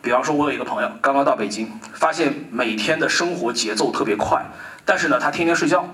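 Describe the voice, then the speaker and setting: A man in his thirties, an author giving a lively talk at a book launch, telling stories and acting out the people in them. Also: mid-range voice, fast, reverberant, recorded from a distance, low-quality recording. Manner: animated storyteller, quotes people in dialogue, jokes with the audience. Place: hall at a book launch event.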